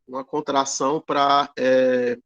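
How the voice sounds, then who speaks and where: A man teaching an online grammar lesson, explaining slowly with many fillers and tag questions. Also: medium pitch, level tone, fairly bright tone, dry recording, highs cut off. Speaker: Greek teacher.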